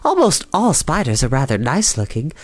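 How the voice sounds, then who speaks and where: A woman's voice: extremely low pitch, huge pitch swings, normal speed, dry recording, full character voice. A woman voicing a small female storybook spider, pleasant, proud and matter-of-fact, with a thin, light voice. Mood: self-assured. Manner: pleasant, precise, self-assured.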